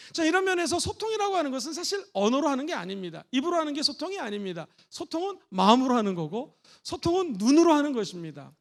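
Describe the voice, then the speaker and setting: A man preaching a Sunday sermon as pastor, acting out quoted family voices with big swings in pitch. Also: gravelly. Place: church sanctuary.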